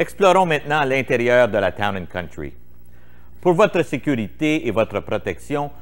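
A man's fairly slow delivery with very wide swings in pitch. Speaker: sales trainer presenter. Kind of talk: vintage corporate sales training video narration. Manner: formal, polished, even-paced and businesslike; upbeat, promotional, salesy. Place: studio.

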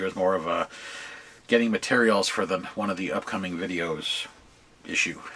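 Light background noise sits behind a man's very deep, low voice. He keeps a moderate pace with fairly even intonation. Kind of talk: tutorial. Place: workshop.

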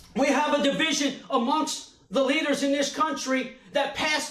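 Speaking with an American accent, a man sounds animated in an extremely high voice for a man. His pace is moderate, and the room echo can be heard. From US. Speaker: pastor. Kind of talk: sermon. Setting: online church service, viewers at home. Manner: animated, exhorting. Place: church.

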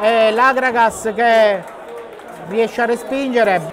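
Crowd noise fills the background as the speech moves at a very slow pace. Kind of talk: live football commentary. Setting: at the stadium in Mazara del Vallo. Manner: excitable, shouting and repeating 'gol' on goals.

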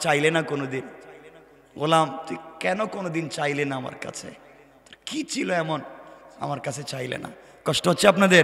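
Through noticeable background noise and audible room echo, a man speaks at a fairly high pitch with ordinary pitch variation. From Bangladesh, Sylhet. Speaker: Islamic preacher. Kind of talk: sermon. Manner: animated.

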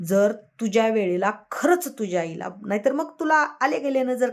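Her voice sits fairly high and swings very widely in pitch. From Latur, Maharashtra. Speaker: social media commentator. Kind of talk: angry rant.

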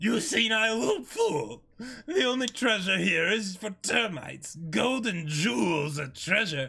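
Using a put-on character voice, a man speaks fairly slowly at a high pitch. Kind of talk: comic dramatic reading. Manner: gloating, mocking, blustering.

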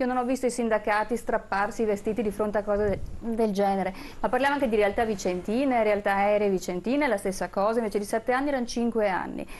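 Against light background noise, a woman speaks at a very fast pace with fairly even intonation and very even loudness. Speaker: local civic list representative; guest. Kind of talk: televised political debate. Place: studio. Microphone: lapel.

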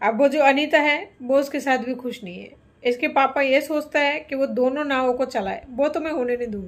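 A woman's high-pitched voice moves at a moderate pace. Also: ordinary pitch variation, big swings in loudness. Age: 30s. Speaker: vlogger, mother of two; vlogger. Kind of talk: casual vlog monologue. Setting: at home. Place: home room. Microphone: phone near.

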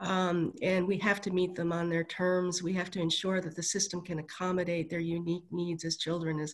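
Against a quiet background, a woman speaks at a fairly quick pace in a flat monotone, with hardly any pauses. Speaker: nonprofit president. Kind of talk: panel discussion. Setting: video call. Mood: earnest, advocating. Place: home room. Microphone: video call.

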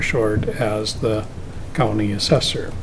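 Light background noise sits behind a man speaking slowly-ish, at a fairly slow pace, with an American accent. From US Midwest. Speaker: county administrator. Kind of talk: public meeting report. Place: meeting room. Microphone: podium.

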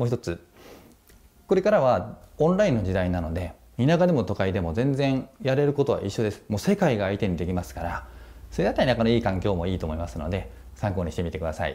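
A man's dark, mellow tone with vocal fry, fairly low in pitch, very fast, with very wide pitch swings. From Japan, Hyogo (Asago); Hyogo, Japan. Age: 40s. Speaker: labor consultant and business owner. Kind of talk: career advice talk to students. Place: office. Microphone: lapel.

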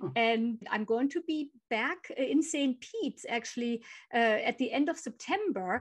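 Over a quiet background, a woman with a German accent speaks at a fairly slow pace. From Germany. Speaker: lecturer on German topics. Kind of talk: interview answer. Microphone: video call.

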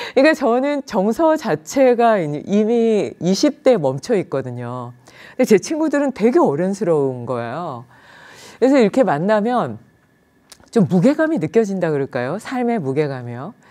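Over a quiet background, a woman with a dark, mellow tone talks at a moderate pace, her pitch swinging very widely. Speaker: yoga and meditation teacher; meditation teacher. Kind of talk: casual talk on meditation; guided breathing instruction. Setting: live stream. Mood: warm, reflective. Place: hall. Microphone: studio mic.

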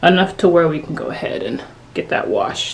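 Speaking at a moderate pace, a woman has a plain, everyday voice with a fairly low pitch. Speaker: vlogger. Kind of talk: casual vlog chat. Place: home room. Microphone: phone near.

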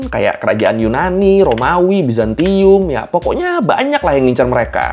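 A man's voice at a moderate pace, with light background noise. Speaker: educational YouTuber. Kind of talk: history explainer. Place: home room.

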